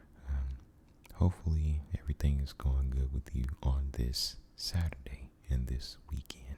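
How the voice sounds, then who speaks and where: Soft-spoken, the speaker goes at a fairly slow pace. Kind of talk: ASMR ramble talking to camera.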